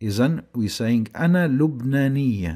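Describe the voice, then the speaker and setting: A man's dark, mellow voice with an Arabic accent, very slow and lively in intonation, on a very clean recording over a silent background. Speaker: Arabic language teacher. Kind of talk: lecture.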